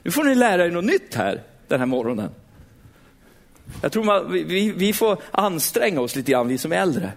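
A middle-aged man preaching a sermon in a church, lively, putting questions straight to the congregation. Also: high-pitched, creaky.

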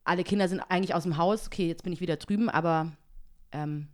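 A woman's voice: on the low side, quick pace. A young woman co-hosting a podcast in casual chat, chatty and laughing often, raising her voice when she mimics others.

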